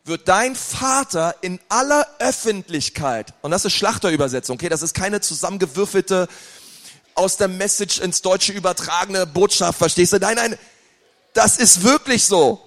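A man preaching a sermon with passion, moving between loud outbursts and quiet, intense stretches. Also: high-pitched, expressive, moderate pace. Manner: impassioned, swings from loud to quiet. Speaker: pastor. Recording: long hall reverb.

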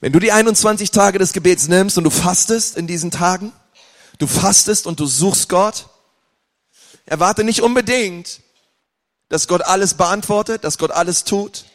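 A man preaching a sermon with passion, moving between loud outbursts and quiet, intense stretches. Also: high voice. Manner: impassioned, swings from loud to quiet. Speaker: pastor. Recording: long hall reverb.

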